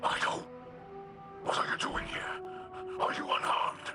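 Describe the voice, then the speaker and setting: An actor playing a solemn, protective alien leader and father in a video game, speaking in a measured, formal, grave way. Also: in a whisper, over loud music, lightly acted. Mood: alarmed. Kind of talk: dramatic video game acting.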